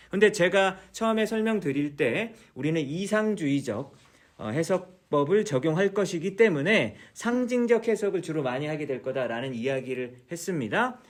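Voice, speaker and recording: A man teaching a church Bible study, explaining patiently, repeating key words and asking his listeners many questions. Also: high-pitched. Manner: mixes English words into explanations.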